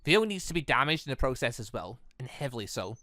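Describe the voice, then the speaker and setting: Guy reading as icy scheming villain lady from a visual novel, measured, crisp bright tone. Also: mid-range voice, very animated, no echo, clean studio sound. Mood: calculating. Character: cold, scheming villainess plotting a city's downfall. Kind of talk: reading visual novel game dialogue in character.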